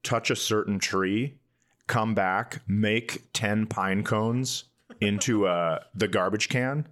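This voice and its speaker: A man's voice: fairly low pitch, takes it slowly, a bit bright. A man co-hosting a comedy podcast in casual, joking conversation.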